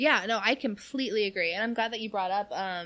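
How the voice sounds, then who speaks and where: Bright and sharp in tone, a woman speaks at a moderate pace with an animated tone and ordinary pitch variation in a very clean recording with a silent background. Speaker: podcast host. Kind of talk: casual chat. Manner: giggly, animated.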